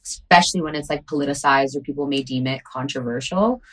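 A woman's voice: a bass voice, fast. A woman hosting a casual chat, talking in an earnest, reflective way with many "like" fillers.

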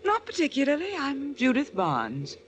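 A woman's voice: sits high, wildly swooping pitch, normal speed, lo-fi sound. Cool mysterious young woman, coy clipped delivery, guarded, 1940s radio drama, faintly noisy old recording. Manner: clipped, coy, dry replies.

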